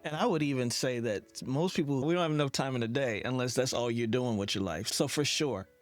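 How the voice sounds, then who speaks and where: A man's voice: mid-range voice, brisk, soft background music. A man speaking as a podcast host in a conversational interview.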